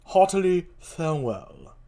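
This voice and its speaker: A man's voice: fairly high pitch, big pitch swings, measured pace, dark tone. A man voicing a commanding, genial king in a declamatory theatrical reading of Shakespeare. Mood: regal, commanding.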